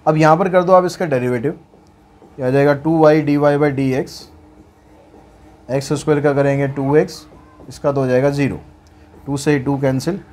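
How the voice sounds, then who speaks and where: This maths teacher's voice is a little high, with fairly even intonation and a darkish tone. He reads English problem text slowly and deliberately, then explains each step chattily, asking himself questions and answering them.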